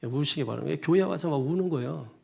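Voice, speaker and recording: A man's voice: a little high, quick pace, vocal fry, a little mellow, breathy edge. A male pastor giving a sermon in a loose, conversational manner, often repeating himself and laughing at his own asides. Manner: colloquial, repetitive, chuckling asides.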